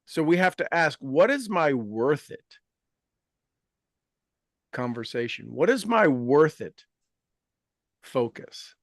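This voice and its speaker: Man, 50s, motivational podcast host; slightly high, dry, emphatic, repeats himself. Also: sing-song, slow, long pauses, dry recording. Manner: emphatic, repeats key phrases. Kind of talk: motivational casual talk.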